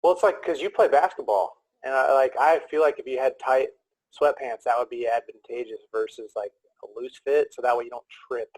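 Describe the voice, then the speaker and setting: A man's voice: medium pitch, steady tone, a little fast, a little mellow, dry recording, rough recording. A man hosting a casual interview podcast, talking in an upbeat, chatty, joking way. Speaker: podcast host.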